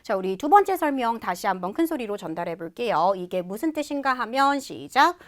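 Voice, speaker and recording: A woman teaching a speaking lesson, explaining stress and vowel length patiently and modeling English sentences slowly. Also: a little high, big pitch swings. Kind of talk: online lecture.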